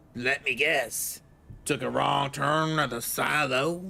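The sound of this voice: Using a put-on character voice, a man speaks at a fairly high pitch and a fairly slow pace. The voice is raspy.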